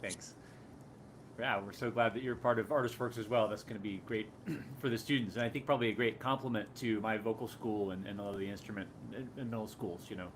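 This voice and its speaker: Guy vocal teacher, lowish voice, rambles n trails off, faint room noise. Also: fairly even intonation, fast talker. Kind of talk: casual roundtable chat.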